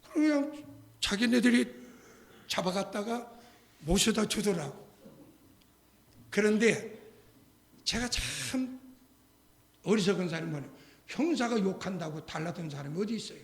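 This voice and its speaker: An older man preaching a sermon as a pastor, telling a story with lively acted-out dialogue and sudden loud outbursts. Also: high-pitched, unhurried, vocal fry, long pauses. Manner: animated storytelling, acting out quoted voices, shouting at climaxes.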